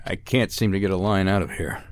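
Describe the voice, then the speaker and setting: A man's voice: sits low, a little fast, natural voice. An actor playing Joe, a resolute man in a retro sci-fi radio drama, speaking steadily and earnestly. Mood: urgent. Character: Joe, grown man, self-sacrificing and resolute. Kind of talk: golden-age style radio drama acting.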